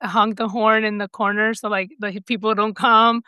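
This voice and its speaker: A woman's voice: mid-range voice, flat delivery, moderate pace, bright, forceful tone, clear, resonant tone, no echo. A woman hosting a podcast, talking in a casual, chatty way with rambling asides and laughs. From Dominican heritage, US-raised. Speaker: podcast host. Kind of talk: casual interview chat.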